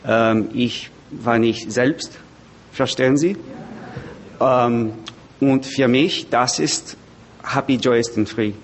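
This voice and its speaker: Male meeting speaker, English-accented learner's German, low-to-middle pitch held slow and halting, slight noise. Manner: halting, searching for words in simple learner's German. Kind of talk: personal testimony to a group. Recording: background noise, room ambience.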